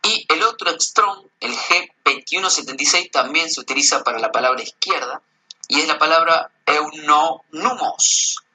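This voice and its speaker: A man reading out word lists and definitions in a casual voice message, slow and halting, spelling out terms. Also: a little high, pushed and bright, rough recording. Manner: reads slowly, spells out terms, hesitant. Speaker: researcher sending voice messages.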